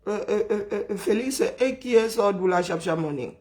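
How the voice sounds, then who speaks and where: A woman with a Cameroonian French accent, hoarse and exhausted, talks to her live-stream audience. She is chatty and teasing, greets viewers one by one, and fills the gaps with hums and drawn-out sighs. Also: mid-range voice, animated, a little mellow. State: hoarse, worn-out voice.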